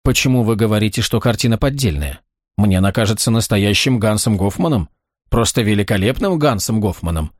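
A man reading a sharp-tongued woman buyer. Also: on the low side, lively intonation, dry recording, clean studio sound. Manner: challenging, quick to irritation.

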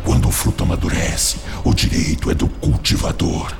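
A man's voice: moderate pace, close to an everyday voice. An actor playing a cunning male spirit who seduces and tempts, whispering and then pressing hard. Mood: insistent. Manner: persuasive, insinuating, swings between whispers and rising urgency. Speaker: voice actor in radio drama. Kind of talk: radio drama acting. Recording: radio drama with music bed.

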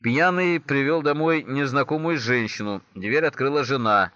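A man telling comic anecdotes in a lively way, acting out each character, on a dry, dull lo-fi recording. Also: medium pitch, moderate pace, no room sound. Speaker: joke teller.

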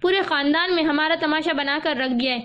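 Irate uncle taking sides, sharp tongue, woman narrator voicing him; dull recording. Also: sits high. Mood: angry. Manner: sharp, reproachful. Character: angry middle-aged uncle, a man.

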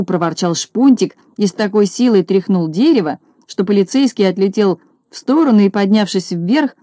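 Lady reading a kids' story, warm low tone, dry close mic. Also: dry recording. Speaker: narrator.

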